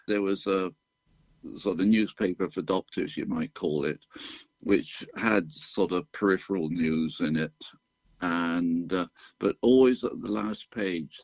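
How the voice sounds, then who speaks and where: An older man with a British accent, a retired physician chatting as a radio guest in an unhurried, self-deprecating way with dry humor. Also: low-pitched, dry recording, muffled recording. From United Kingdom. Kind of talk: relaxed radio interview chat.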